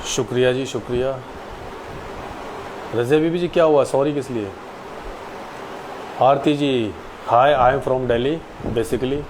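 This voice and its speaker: A man's voice: mid-range voice, takes it slowly, pauses often, noisy background. A man in his late twenties, an actor, answering viewers' questions casually and politely on a live stream. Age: 20s.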